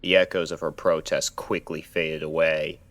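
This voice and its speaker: A man narrating a scripted horror story in a measured, dramatic storytelling manner. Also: very deep voice, flat delivery, a bit bright, no echo. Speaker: narrator of fan fiction readings.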